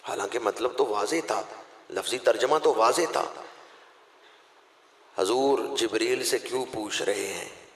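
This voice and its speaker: A man with a Pakistani Punjabi accent preaching a sermon, swinging between loud impassioned outbursts and quiet explanation. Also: mid-range voice, unhurried, long pauses. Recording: echoey long reverb of a hall.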